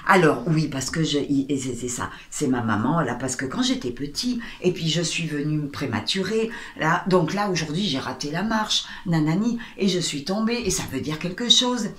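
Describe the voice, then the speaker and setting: Animated woman guest in echoey room. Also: low voice, moderate pace, hardly any pauses. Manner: animated, acts out little everyday scenes. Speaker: sound healer and spiritual guide. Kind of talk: interview guest.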